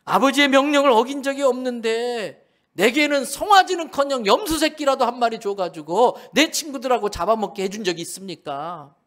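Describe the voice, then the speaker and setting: A man voicing a resentful grown elder son who complains loudly about being wronged. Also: very high-pitched, expressive, fairly quick, pitched above the performer's own voice. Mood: indignant.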